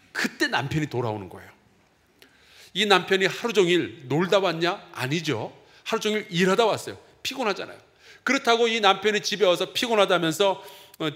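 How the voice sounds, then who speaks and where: A man's voice: high voice, pushed and bright. A middle-aged man, a pastor, preaching a sermon in a conversational way and often asking the congregation questions.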